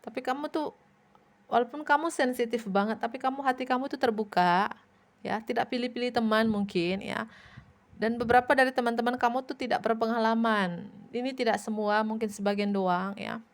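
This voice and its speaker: A woman reading tarot cards for her viewers, speaking gently and directly to the listener with a repeated "ya". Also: on the high side, steady tone, brisk. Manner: addresses viewer directly, repeats tag "ya" often. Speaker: tarot reader.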